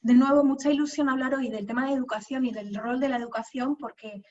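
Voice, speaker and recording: A woman from Madrid speaks with a Spanish accent in a somewhat high voice. She talks in a loose, conversational way full of fillers and restarts, heard through muffled, lo-fi video-call audio. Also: fairly even intonation, fast talker, a little mellow. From Spain. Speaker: guest speaker. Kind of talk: webinar talk.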